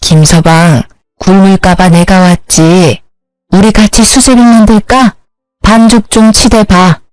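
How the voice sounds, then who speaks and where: A woman voicing an older mother briskly ordering her son-in-law around. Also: mid-range voice, fairly even intonation, a little mellow, no room sound, soft background music, lightly acted, rough recording. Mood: bossy.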